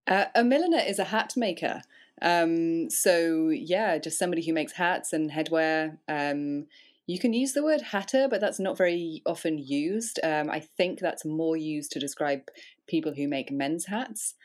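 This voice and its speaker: A woman's voice: sits low, measured pace. A woman with a Midlands English accent, a guest in an interview, speaking modestly with many hesitant ums and light laughs. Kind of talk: casual interview chat.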